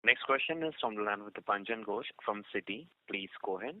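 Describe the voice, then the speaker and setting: A man's voice: fairly low pitch, animated, a little fast, no echo. A man formally moderating a conference call as the operator. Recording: dry narrow-band phone line.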